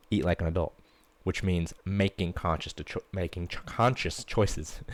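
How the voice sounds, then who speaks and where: A man's voice: sits low, dry recording. A man hosting his own fitness podcast as a coach, talking in a blunt, fired-up way and swearing casually. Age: young adult to middle-aged parent. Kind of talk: casual solo podcast monologue.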